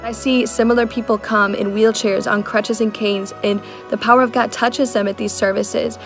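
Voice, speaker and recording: A woman's voice: on the high side, flat delivery, normal speed, over music. A woman earnestly testifying about her father's actions, speaking in short accusing bursts. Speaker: witness describing her father. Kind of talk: testimony in an interview.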